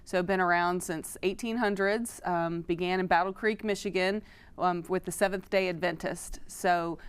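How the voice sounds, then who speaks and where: A middle-aged woman from Florida talks through her work in a studio interview. Her voice is smooth and clear and sits a little low. She explains patiently and warmly, with plenty of "um" fillers. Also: steady tone, normal speed. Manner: friendly, informative, fillers like "um". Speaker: foundation executive director, guest. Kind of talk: interview answers.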